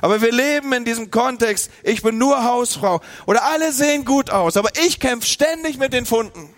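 A man's voice: extremely high pitch, brisk. A man preaching a sermon, from northern Germany, talking straight to his listeners and acting out their inner voices. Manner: lively, speaks to the listener directly, acts out inner voices. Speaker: pastor.

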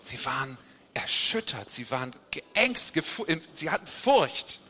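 A man's voice: on the high side, big pitch swings, measured pace, pushed and bright. A man interpreting a sermon live into German in a church, emphatic, with some slips and restarts. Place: large church hall. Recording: echoey hall.

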